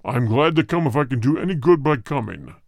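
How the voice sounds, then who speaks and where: A male audiobook reader voicing a cold, hard, deep spirit that speaks through a medium in slow, grave sentences. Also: lively intonation, gravelly, no room sound, clean studio sound. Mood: solemn. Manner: slow, grave, measured pronouncements. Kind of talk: audiobook reading.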